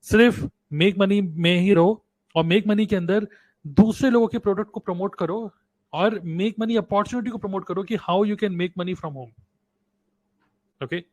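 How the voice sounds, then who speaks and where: A man's voice: high-pitched, unhurried, a little mellow, dry recording. A man from India hosting a live webinar on online earning in mixed Hindi and English, repeating key points and asking viewers to type answers in the chat, recorded on a desktop microphone. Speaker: webinar host and online business coach. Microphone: desktop USB microphone.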